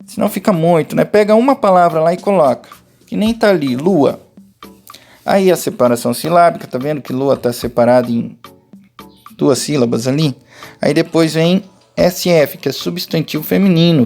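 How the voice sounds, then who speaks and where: A Brazilian man talks a class of children through a remote lesson, patient and methodical as he goes step by step. His voice sits a little high yet sounds mellow and gravelly. Faint music plays softly behind him. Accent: Brazilian Portuguese. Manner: patient, explains step by step, addresses pupils directly. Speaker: teacher. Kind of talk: remote lesson walkthrough for schoolchildren.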